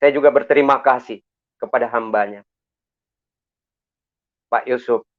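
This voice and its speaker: A man's voice: medium pitch, normal speed. A middle-aged man from Makassar giving an earnest, preacherly church testimony, often calling out to his listeners. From Makassar, Indonesia. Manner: earnest, preacherly, repeatedly addresses listeners as brothers. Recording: tinny phone-like sound.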